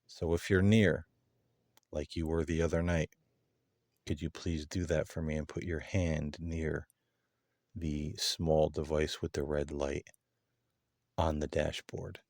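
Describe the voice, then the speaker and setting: A man hosting a paranormal session, addressing spirits in a gentle, polite and earnest manner. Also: extremely low pitch, flat delivery, takes it slowly, pauses often, no echo, studio quality. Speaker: host of paranormal contact sessions.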